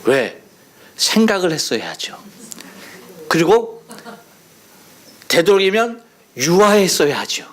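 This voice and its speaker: Preaching a Sunday sermon in a church sanctuary, a male pastor from Chungcheong, South Korea, speaks with that region's Korean accent and slips into playful storytelling, imitating dialect phrases while laughing. His voice sits a little high, very animated and swinging widely in pitch, delivered slowly with frequent pauses.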